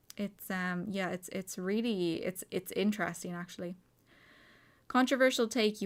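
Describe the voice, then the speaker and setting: With an Irish accent, a woman of medium pitch talks at a moderate pace with fairly even intonation and long, frequent pauses on a very clean recording with a silent background. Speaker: streamer reading chat comments.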